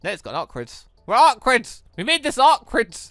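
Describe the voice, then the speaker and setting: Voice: medium pitch, wildly swooping pitch, moderate pace, fairly bright tone, dry recording, studio quality, faint music behind. A gaming YouTuber giving casual, rambling and exclamatory commentary on a game. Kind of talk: casual game commentary with read-aloud dialogue.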